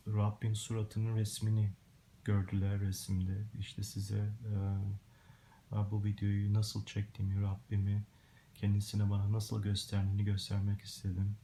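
Low monotone man, halting broken Turkish. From Germany, born and raised. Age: middle-aged. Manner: halting, broken Turkish of a long-time emigrant, searching for words. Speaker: Christian testimony video maker. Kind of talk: personal religious testimony to camera. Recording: hissy home recording with clicks.

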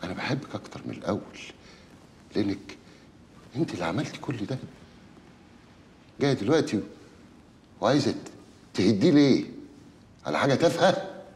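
An actor playing a cynical, womanizing Egyptian husband who taunts his wife and then tries to calm her down. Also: lowish voice, fairly quick, pauses often, big-room sound, a little hiss or hum. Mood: taunting. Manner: taunting, brazen, then placating. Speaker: unfaithful husband. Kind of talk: film drama acting.

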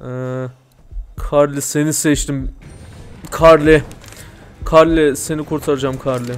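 A man doing let's play commentary, joking and bursting into loud mock-angry swearing. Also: a little high, fairly even intonation, a little slow. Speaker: gameplay commentator.

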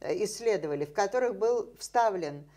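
An older woman talks as a scientist guest on an interview program, her voice at an ordinary middle pitch. She explains animatedly, scattering fillers and rhetorical questions, recorded seated indoors in a dim room. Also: animated, normal speed, dark tone.

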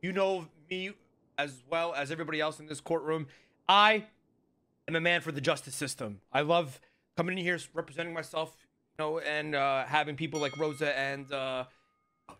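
A man roleplaying a defendant in a put-on New York Italian accent. His voice is bright and a touch high, pleading in a mock-formal way and slipping into quick asides. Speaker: roleplayer in a courtroom scene.

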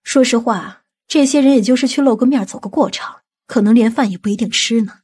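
Woman acting a domineering, husky aunt. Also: a little high, a little fast, darkish tone. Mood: chiding. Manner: bossy, indignant, scolding. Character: domineering, irritable aunt of a company chairman. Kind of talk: dramatised audiobook dialogue.

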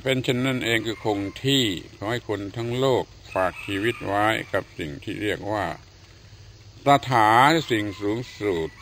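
An older man, a Buddhist monk from Thailand, giving a slow, measured sermon with occasional hesitant fillers. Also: lowish voice, a bit bright, slight background noise.

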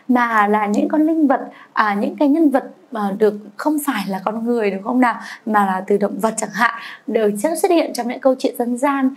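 A young woman with a Vietnamese accent teaching English vocabulary, saying each word twice and then explaining it. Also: fairly high pitch. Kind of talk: bilingual vocabulary lesson.

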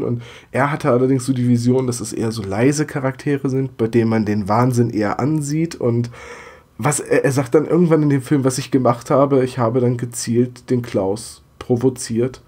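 Casting: verschnupfter männlicher Co-Host, gesprächig, mittlere Stimmlage. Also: male voice, mid-range voice, normal speed, darkish tone, husky. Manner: chatty, laughs, imitates voices. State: slightly congested from a cold. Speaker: podcast co-host. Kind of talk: casual podcast chat.

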